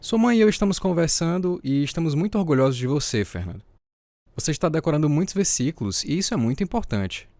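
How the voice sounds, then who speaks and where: Radio drama father, Brazilian, earnest and proud, fast delivery, dry close sound. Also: on the high side, sing-song, darkish tone, no room sound. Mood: proud, encouraging. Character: proud, devout, gentle father of a boy. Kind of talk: dramatized radio story acting.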